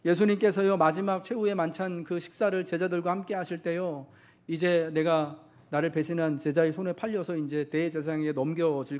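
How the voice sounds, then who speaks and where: Male pastor, high voice, sermon, rhetorical questions, acted-out quotes. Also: a little mellow.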